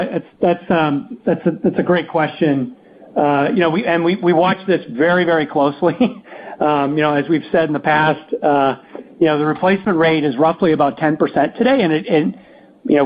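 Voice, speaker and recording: A man speaking as a company executive answering questions on an earnings call, halting and often restarting his phrases. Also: a little high, lo-fi sound. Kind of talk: unscripted business Q&A on an earnings call.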